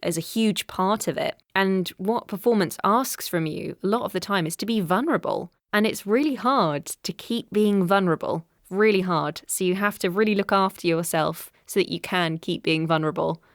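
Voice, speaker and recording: A woman voice actor speaking candidly as a podcast guest, animated and quick to laugh. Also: medium pitch, no echo, clean studio sound. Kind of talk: conversational interview.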